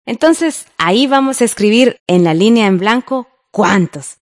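A woman's voice: a little high, lively intonation, a little slow, no echo. Dry-sounding woman radio teacher. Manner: friendly, guiding, asks the listener to follow along. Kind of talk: scripted radio lesson.

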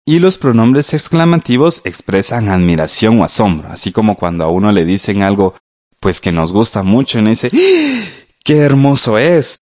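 Male radio teacher, low and very animated, patient explainer. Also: a little fast. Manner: patient, explanatory, addresses the listener directly. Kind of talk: scripted radio lesson.

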